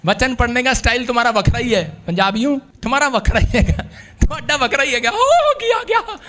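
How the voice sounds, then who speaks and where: A male preacher, giving a lively sermon that swings between shouts and hushed asides. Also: extremely high pitch, fast. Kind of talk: energetic sermon with call-and-response.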